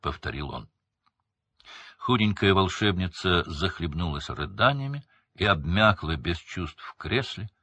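A man narrates a story at an unhurried, deliberate pace with a fairly low pitch. His voice is bright and slightly husky, and he reads in a measured, dramatic way. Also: animated, dry recording. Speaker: audiobook narrator. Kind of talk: scripted audiobook narration.

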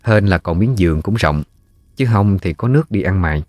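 A man with a Southern Vietnamese accent narrating a ghost story in a folksy, unhurried way. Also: deep voice, animated, darkish tone, no echo.

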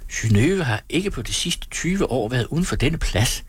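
A man's voice: mid-range voice, expressive, husky, pitched above the performer's own voice. A man reading aloud, voicing a pompous country chaplain who speaks solemnly.

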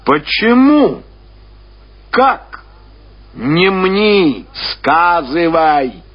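A man's voice: a little high, sing-song, very slow, slight background noise, voice pushed up, full character voice. A man voicing an imperious, short-tempered old landowner woman who barks suspicious questions and orders in a radio literary reading. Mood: agitated, impatient. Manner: commanding, abrupt, interrogating. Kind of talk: dramatic reading of classic literature. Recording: dull archive radio recording.

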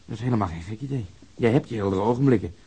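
Husky, blunt, bitter policeman. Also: lowish voice, animated, very fast, warm tone, exaggerated voice. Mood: blunt, thoughtful. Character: blunt, bitter male police officer, ex-serviceman. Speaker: actor. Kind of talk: radio drama dialogue.

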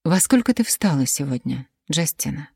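A woman reading the lines of a methodical male police investigator in an audiobook, asking measured, businesslike questions. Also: sits low, animated, creaky, warm tone, slightly rough, dry recording, studio quality, full character voice.

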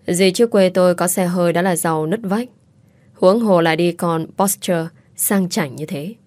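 A woman narrates a first-person audiobook story in a calm, reflective way, keeping an even, unhurried reading tone. Her voice is on the low side and sounds close and dry, with no room around it. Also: no echo.

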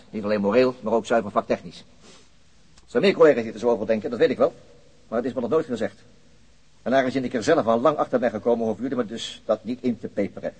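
An actor playing a middle-aged, weary police chief inspector in a radio drama, curt, dry and businesslike. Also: male voice, mid-range voice, breathy edge, in a large hall, close to an everyday voice, low-quality recording.

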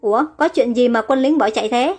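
A woman's voice: a little high, fairly quick, a little mellow, slightly rough, soft background music. A woman voicing a greedy, scheming male servant who gloats over his plans. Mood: eager. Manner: gloating, then frantic.

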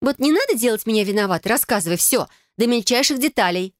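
A woman reader voicing a lively, scheming young cousin who is excitable and bossy in an audiobook. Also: on the high side, no room sound, clean studio sound, pitched above the performer's own voice, close to an everyday voice. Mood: indignant. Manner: excitable, bossy, quick to scold. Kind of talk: audiobook character voice.

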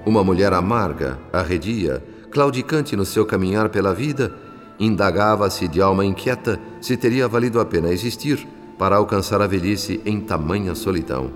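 An actor with a Brazilian accent playing a gentle, reflective spirit who narrates a radio drama in a measured, solemn way. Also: male voice, deep voice, expressive. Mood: tender, solemn. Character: gentle, reflective male spirit narrator telling a family's story. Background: background music.

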